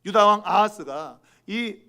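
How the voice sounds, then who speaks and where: A man's voice: sits high, animated, unhurried, vocal fry, pushed and bright, clear, resonant tone. A male pastor delivering a Sunday sermon in a church, repeating key words for emphasis and acting out quoted voices. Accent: Seoul Korean. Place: church sanctuary.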